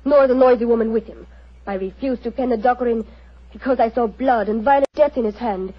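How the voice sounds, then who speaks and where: A passionate young gypsy woman, speaks in a fairly high, husky voice. Her phrasing is formal, solemn and theatrical, and it comes through a muffled vintage radio drama recording. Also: fairly quick. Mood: ominous, solemn. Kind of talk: 1940s radio acting.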